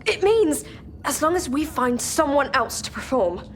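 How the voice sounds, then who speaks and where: An actress in a children's TV comedy who speaks in a practical, explanatory way. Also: female voice, high voice, very animated, a little slow, heavily acted. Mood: earnest.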